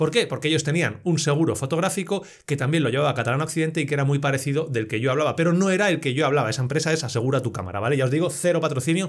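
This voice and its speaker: A man talks at a very fast pace with very even loudness. The background is quiet. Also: ordinary pitch variation, hardly any pauses. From Spain. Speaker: photography youtuber. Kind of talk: casual vlog monologue. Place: home room.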